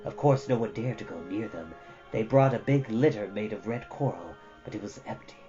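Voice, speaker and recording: A narrator voicing a blue djinn caravan leader who reports in a measured, subdued manner. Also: mid-range voice, lively intonation, dark tone, dull audio, faint music behind, pitched below the performer's own voice, lightly acted. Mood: grave, puzzled.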